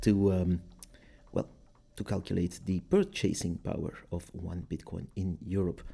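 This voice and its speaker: The tone is dark and mellow, and the pace is fairly slow. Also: man. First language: Dutch. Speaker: podcast host. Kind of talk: podcast monologue. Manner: hesitant, many fillers.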